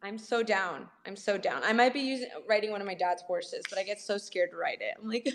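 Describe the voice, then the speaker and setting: A woman's voice: mid-range voice, fairly quick. A woman who performs comedy, chatting in a laid-back, slangy way and laughing often. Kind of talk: casual video chat.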